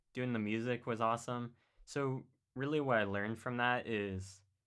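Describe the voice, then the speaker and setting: Against a quiet background, an unremarkable speaking voice with an American accent moves at a moderate pace with fairly even intonation. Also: man. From Oregon coast, US Pacific Northwest. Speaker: sound designer. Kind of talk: casual chat.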